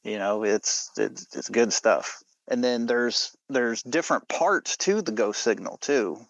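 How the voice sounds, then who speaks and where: A man's voice: mid-range voice, expressive, a little slow, vocal fry, no echo, muffled recording. A man speaking casually as a podcast guest. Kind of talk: casual chat.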